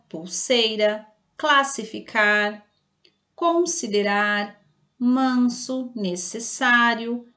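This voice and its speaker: A Brazilian Portuguese-speaking woman teacher giving a slow, patient online grammar lesson to children, often checking in with the class. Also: fairly high pitch. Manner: patient, slow and didactic, checking in with "tá bom?" and "certo?". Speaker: primary school teacher.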